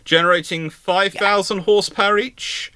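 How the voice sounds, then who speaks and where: A man's voice: sits high, fairly even intonation, normal speed, background noise. A man hosting a casual live discussion with technical commentary, emphatic and often repeating words as he thinks. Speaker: host of a live naval history discussion.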